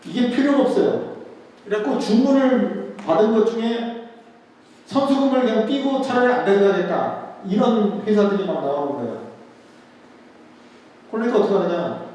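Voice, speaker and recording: Male lecturer, higher pitch, chatty style that repeats key points, recorded from afar in a reverberant hall with faint noise. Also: dark tone. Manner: conversational, asks rhetorical questions and repeats key words. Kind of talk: history lecture to an audience. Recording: echoey hall, voice picked up from a distance.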